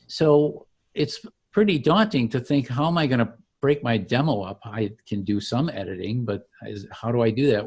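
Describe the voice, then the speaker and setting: A man founder demonstrating his software tool step by step in an easygoing, explanatory way. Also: mid-range voice. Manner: relaxed, explanatory, slows to show steps. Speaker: software founder giving a demo. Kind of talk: walkthrough of an online tool.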